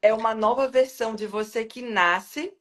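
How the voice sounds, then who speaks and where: A woman's voice: a little high, normal speed. A woman hosting an interview who affirms the guest and builds on her points, often adding "né?". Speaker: host. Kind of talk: conversational interview.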